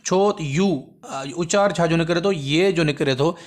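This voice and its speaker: A man teaching English grammar, explaining patiently and repeating points, reading example sentences slowly. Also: a little high. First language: Sindhi. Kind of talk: recorded lesson explanation.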